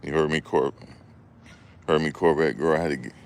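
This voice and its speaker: Hosting a livestream with a very deep voice, this man keeps a steady tone and talks a little fast against slight background noise. He rambles, jokes, and responds to chat in a loose conversation with his audience.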